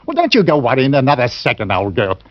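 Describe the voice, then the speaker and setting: A man playing a soft-hearted middle-aged husband, in 1940s radio acting. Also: mid-range voice, wildly swooping pitch, fast. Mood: soothing. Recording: dull old radio broadcast.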